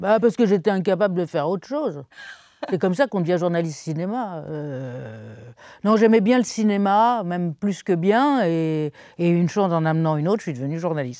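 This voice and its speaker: Fairly low in pitch, a woman with an unremarkable speaking voice talks at a fairly quick pace with lively intonation. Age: 60s. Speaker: film journalist. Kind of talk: casual interview. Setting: small cinema.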